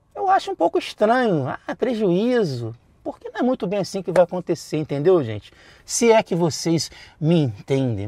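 Against a quiet background with a dry sound and no echo, a man with a high voice speaks at a moderate pace in an animated tone, his pitch swinging very widely. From Brazil. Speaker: automotive YouTuber. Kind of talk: casual video commentary. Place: car. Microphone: lapel.

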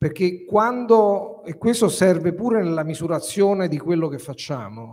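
Against a quiet background, a dark, mellow tone moves at a fairly slow pace. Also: man. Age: 50s. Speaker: telecom executive; guest. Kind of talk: panel discussion. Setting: stage with audience. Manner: animated. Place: stage. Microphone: handheld.

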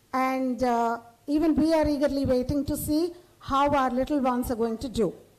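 Over a quiet background, a woman with a high pitch speaks at a moderate pace with fairly even intonation. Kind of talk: welcome speech. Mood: warm, cheerful. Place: hall. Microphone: podium.

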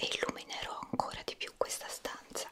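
Her delivery is a whisper. The woman keeps to a fairly slow pace. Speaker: ASMR roleplay host. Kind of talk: soft personal-attention roleplay talk. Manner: soft, intimate ASMR voice.

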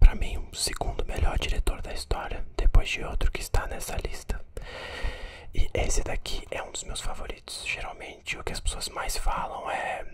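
Whispering comes from a man. His volume rises and falls sharply as he keeps a moderate pace. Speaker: film reviewer. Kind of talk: casual vlog chat. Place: home room. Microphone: studio mic.

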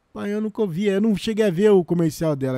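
A man talks at a very fast pace in a high voice with lively intonation. His tone is dark and mellow, and the sound is dry and close with no echo. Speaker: gaming and tech YouTuber. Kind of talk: casual vlog reacting to online videos. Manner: animated, with laughter.

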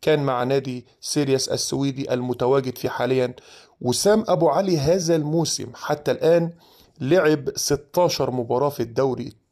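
A dark, mellow tone comes at a fairly slow pace on a very clean recording with a silent background. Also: man, fairly high pitch for a man, ordinary pitch variation. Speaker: football news YouTuber. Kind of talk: news roundup monologue. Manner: animated.

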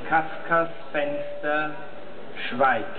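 Through noticeable background noise, a man with a fairly high pitch speaks at a very slow pace. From Austria. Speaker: poet. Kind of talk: poetry reading in German at a festival. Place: stage.

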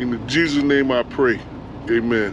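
Noticeable background noise surrounds a man speaking at a fairly slow pace. The sound is dry, with no echo. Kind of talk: casual vlog chat. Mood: calm, prayerful. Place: car. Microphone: phone near.

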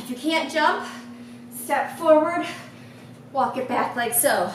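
A woman with a high voice speaks very slowly, her pitch rising and falling in an ordinary way. Light background noise and audible room echo surround her. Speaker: fitness instructor. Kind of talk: workout instruction and counting. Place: gym. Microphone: camera far.

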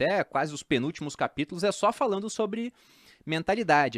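In a very clean recording with a silent background and a dry, close sound with no echo, a man races at a very fast pace with very wide pitch swings. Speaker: finance content creator, former army officer. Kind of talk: casual interview chat.

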